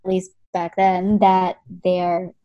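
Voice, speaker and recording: A woman's voice: fairly low pitch, monotone, slow, dark tone, highs cut off. A woman co-hosting a podcast, talking through her thoughts in a casual, hedging way over a remote call. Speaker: podcast co-host. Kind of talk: casual conversation.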